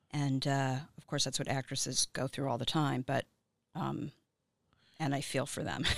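With vocal fry and a very deep, low pitch, a woman talks at a moderate pace in a monotone, flat intonation, captured in a very clean recording with a silent background and a dry, close sound with no echo. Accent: American. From US South, Miami, Florida. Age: 50s. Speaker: filmmaker. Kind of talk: casual chat.

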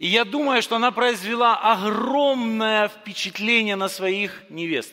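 In a raised, projected voice, a man speaks at a very slow pace and a high pitch, with ordinary pitch variation. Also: hardly any pauses. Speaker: preacher. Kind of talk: sermon. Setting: church.

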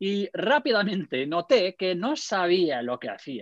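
A man uses a normal speaking voice with lively intonation. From Spain, then Germany from age 8 to 25. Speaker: missionary and church planter. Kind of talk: interview about faith and discipleship.

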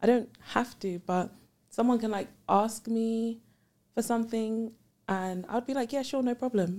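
Speaking fairly slowly with a London accent, a woman with a fairly high pitch and a dark, mellow tone keeps her intonation fairly even and leaves long, frequent pauses. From London, of Ghanaian heritage. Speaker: coaching client. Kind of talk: casual chat.

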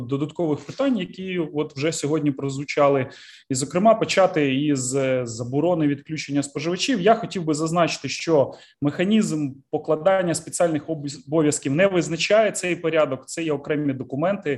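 Over a quiet background, a man with a normal speaking voice talks at a moderate pace and fairly high pitch with ordinary pitch variation. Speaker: energy ministry adviser. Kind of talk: panel discussion. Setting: video call.

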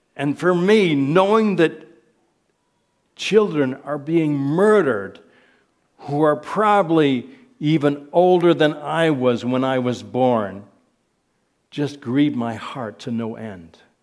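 A man with an American accent at a very slow pace, lively intonation, long and frequent pauses, and audible room echo. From US Midwest, Michigan. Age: 70s. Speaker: pastor. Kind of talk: sermon. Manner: halting, many fillers.

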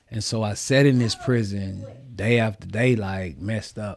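An American accent with fairly even intonation. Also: man. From Louisiana, Baton Rouge. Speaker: minister and motivational speaker. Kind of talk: testimony.

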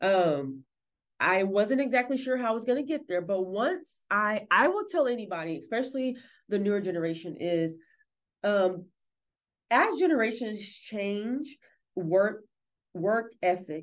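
A woman with an American accent at a medium pitch, fairly slow, with long, frequent pauses and very wide pitch swings over a quiet background. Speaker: library director. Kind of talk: casual interview.

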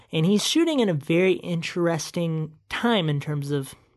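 Over a quiet background, a woman with an unremarkable speaking voice talks fairly slowly at a fairly low pitch, with ordinary pitch variation. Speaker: podcast host and video creator. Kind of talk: casual solo commentary, scrolling through a feed. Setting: recording at a computer, video and podcast. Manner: rambling, self-deprecating, playful.

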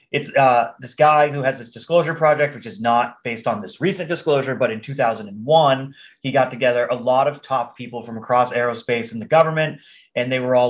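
Using a normal speaking voice, a man speaks at medium pitch and a fairly quick pace, with ordinary pitch variation. His loudness swings widely against a quiet background. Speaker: podcast guest. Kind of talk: casual roundtable chat. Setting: video call. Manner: casual, profane.

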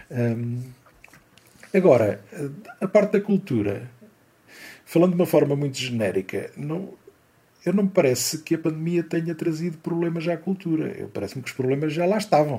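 A man's fairly high voice with lively intonation and long, frequent pauses. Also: moderate pace. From Portugal, Fermentelos near Águeda (Aveiro district). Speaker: composer and conductor. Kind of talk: interview conversation. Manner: hesitant, many fillers and repetitions.

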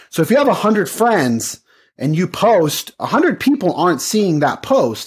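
A man with an American accent speaks in very wide pitch swings on a very clean recording with a silent background. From Utah. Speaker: real estate agent and content marketer. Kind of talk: casual interview. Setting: call.

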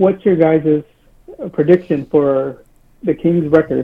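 The man speaks in a fairly high pitch at a moderate pace. His intonation stays fairly even. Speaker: caller. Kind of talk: call-in to live show. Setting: phone call.

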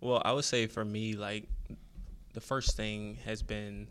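A man talks at a fairly slow pace in a normal speaking voice. His pitch is fairly low and his intonation fairly even. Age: 20s. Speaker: podcast co-host. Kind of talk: casual chat.

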